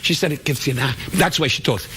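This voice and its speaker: A man's voice: fairly high pitch, fairly quick, slightly rough. A man telling rambling, self-mocking jokes at a roast. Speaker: roast speaker. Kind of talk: stand-up roast joke. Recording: live stage with loud audience.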